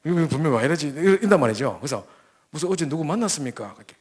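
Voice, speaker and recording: A young man preaching a sermon, telling a story full of quoted dialogue and quick restarts. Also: a little high, expressive, darkish tone, husky. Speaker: preacher at a church training camp. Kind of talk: sermon with acted-out stories.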